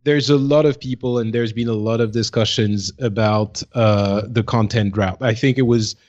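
A man co-hosting a gaming podcast, explaining in a casual, somewhat halting way on a slightly dull recording. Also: on the low side, steady tone, a little mellow. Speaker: podcast co-host.

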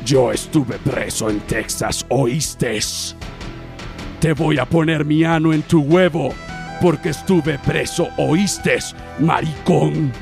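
A man voicing a gruff male action-movie cyborg who served time in prison, growling menacing threats and repeating a tag question. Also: a little high, takes it slowly, music in the background. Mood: threatening.

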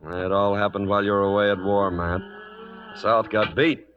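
An actor playing a hard, stubborn cattle baron with an American accent and a gruff, commanding manner in a radio western. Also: male voice, fairly low pitch, steady tone, normal speed, a little hiss or hum, natural voice. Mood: grimly determined. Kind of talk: 1940s radio western acting. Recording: dull vintage radio recording.

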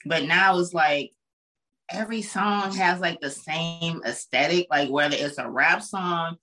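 A woman's voice: fairly low pitch, unhurried, sharp tone, recorded from a distance. A woman in her forties hosting a podcast interview, chatting loosely with many fillers. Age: 40s. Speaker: podcast host. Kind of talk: casual interview chat.

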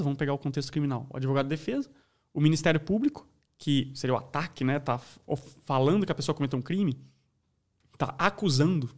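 A man talking in a casual podcast chat, an animated storyteller who says "né" and "daí" a lot. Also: on the high side. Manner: animated storyteller, acts out voices.

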